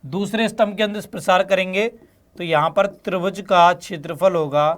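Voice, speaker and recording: In a classroom maths lesson, a man whose voice sits high talks at a normal pace with fairly even intonation. Step by step, he patiently explains the solutions, regularly checking that the students keep up and calling them "beta" and "bachche."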